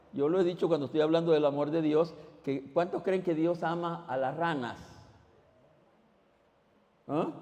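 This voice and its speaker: A man preaching a sermon as pastor. He questions the congregation directly and swings between loud exclamations and quiet asides. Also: a little high. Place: church. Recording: long reverb in a church hall.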